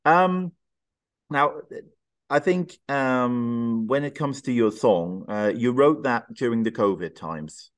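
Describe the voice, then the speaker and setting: A man's voice: medium pitch, lively intonation, slow. A man interviewing a guest over a video call, asking friendly, chatty questions from a small room.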